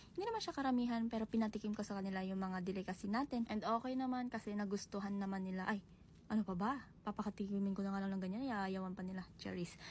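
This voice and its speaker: This voice moves at a very fast pace and sounds somewhat breathy. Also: woman, medium pitch for a woman, fairly even intonation. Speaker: farmer and vlogger. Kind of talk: casual vlog narration.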